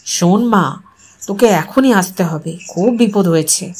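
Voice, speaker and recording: A woman's voice: medium pitch, a little slow, darkish tone, breathy edge, pitched below the performer's own voice. A woman voicing an anxious, chatty elderly village father in an audio story, reassuring and fondly scolding. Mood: anxious, urgent. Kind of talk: Bengali audio story character dialogue.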